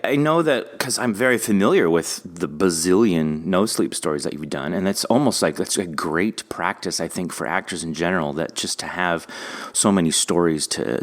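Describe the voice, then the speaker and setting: A man with a low voice hosts an interview podcast. He talks in a conversational, enthusiastic way as he puts questions to his guest. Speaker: podcast host.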